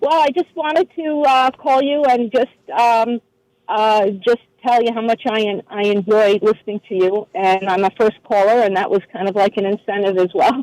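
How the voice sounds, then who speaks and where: A woman with an unremarkable speaking voice talks at a moderate pace, her pitch fairly high with ordinary variation. Her loudness stays very even, and the sound is dry and close with no echo. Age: 60s. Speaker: caller. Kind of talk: casual chat.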